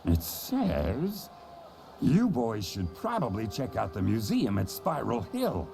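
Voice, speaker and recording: A man's voice: fairly low pitch, wildly swooping pitch, slow pace, vocal fry, over music, full character voice. An actor voicing an easygoing male cartoon detective who tells a story in a wry, teasing manner. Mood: intrigued.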